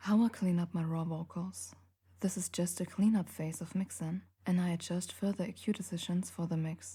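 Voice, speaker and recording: In a fairly low pitch with a dark, mellow tone, a woman talks at a moderate pace, somewhat breathy and in a monotone, flat intonation. The recording is very clean, with a silent background. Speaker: music producer and vocalist. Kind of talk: tutorial. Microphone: large diaphragm condenser studio mic.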